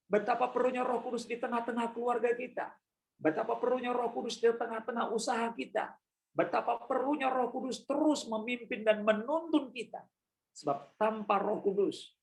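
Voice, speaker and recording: A man's voice: high voice, vocal fry, low-quality recording. A male pastor preaching a sermon in church, emphatic and repetitive, addressing the congregation directly.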